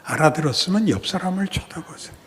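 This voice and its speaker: An older man delivers a sermon with a high, widely swinging voice. He shifts from low, hushed explanation to loud, scolding lines. The church hall gives the sound a long echo. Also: fast, slight background noise. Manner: animated preaching, acting out God's rebuke in a loud scolding voice. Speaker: pastor. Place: church sanctuary.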